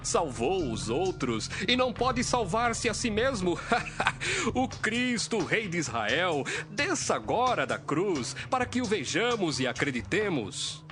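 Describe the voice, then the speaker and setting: An actor playing a scornful, derisive chief priest in a dramatised audio Bible. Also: male voice, high voice, big pitch swings, unhurried, music in the background. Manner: sneering, derisive. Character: scornful chief priest mocking a condemned man.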